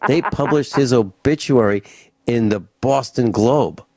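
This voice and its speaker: A man's voice: mid-range voice, measured pace, a little mellow, no room sound. Man in his 60s, radio talk host, rambling delivery, dry close sound. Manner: rambling, full of restarts and fillers. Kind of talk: casual radio interview chat.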